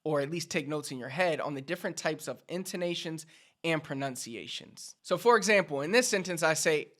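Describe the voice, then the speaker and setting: A Puerto Rican man with a Puerto Rican accent gives an upbeat Spanish lesson straight to the viewer. His voice sits a little high and rings bright and forceful. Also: fairly quick. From Puerto Rico. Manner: upbeat, instructive, addresses viewers directly. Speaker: Spanish teacher. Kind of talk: direct-to-camera language lesson.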